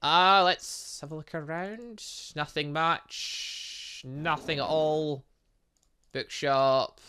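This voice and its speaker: A man giving excitable let's-play commentary, rambling along with playful, exclamatory asides. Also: fairly high pitch, clean tone. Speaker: gaming channel host.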